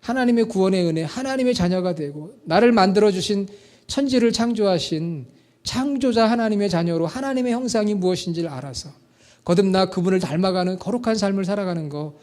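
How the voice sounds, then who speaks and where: A man with a high voice preaching to his congregation. He tells a story at an even pace and often turns to ask his listeners what they would do. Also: a little fast. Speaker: pastor. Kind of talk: sermon.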